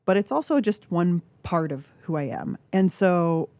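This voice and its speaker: A woman, a guest author speaking candidly in a radio studio interview, reflective and halting with filler words. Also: on the low side, animated, a little mellow, no echo. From California. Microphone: studio microphone.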